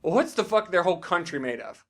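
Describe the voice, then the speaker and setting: A man hosting a podcast, casually playing a word-guessing game with animated, swearing banter. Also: sits high, a little fast. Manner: foul-mouthed, animated banter. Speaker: podcast host.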